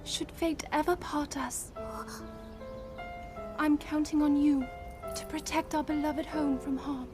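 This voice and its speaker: An actress playing a kind, dutiful young princess who speaks with gentle encouragement in a game cutscene. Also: female voice, high-pitched, flat delivery, takes it slowly, pauses often. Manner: warm, encouraging, sisterly. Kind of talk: video game cutscene acting. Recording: game soundtrack under loud music.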